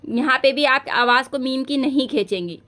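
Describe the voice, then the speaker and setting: A woman's voice: high-pitched, moderate pace, a bit bright. A young woman teaching Quran recitation online, with an Urdu-speaking South Asian accent. She explains patiently, often checking in with "theek hai" and stretching out sounds to show them.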